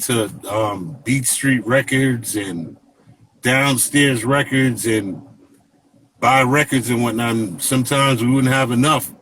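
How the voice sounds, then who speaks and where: A man in his fifties from Jamaica, telling stories as an interview guest in a relaxed, rambling way, full of fillers. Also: medium pitch, a little hiss or hum, low-quality recording. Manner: relaxed, rambling, many fillers and "you know what I mean". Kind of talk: casual interview storytelling.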